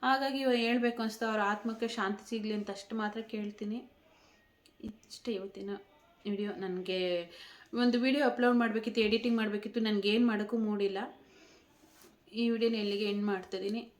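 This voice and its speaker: A woman's voice: mid-range voice, steady tone, a little fast, long pauses. A woman speaking in an emotional tribute vlog, tearful and pleading, repeating herself. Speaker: vlogger.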